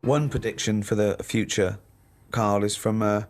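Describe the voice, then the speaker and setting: A man's voice: fairly low pitch, steady tone, moderate pace, a little hiss or hum. A man hosting a radio show, bantering casually and teasing with probing questions. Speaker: radio host.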